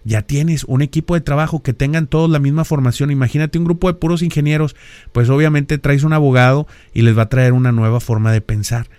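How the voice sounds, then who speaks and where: This podcast host, a middle-aged Mexican man with a northern accent from Monterrey, lectures on ideas and frequently poses rhetorical questions ending in "¿verdad?". He speaks fairly quickly in a steady, mid-range voice that is darkish and clean, with no room sound.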